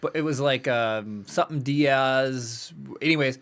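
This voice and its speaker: A man co-hosting a podcast in casual, animated chat, laughing often as he talks. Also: medium pitch, unhurried, clean tone. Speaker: podcast co-host. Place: home studio podcast set.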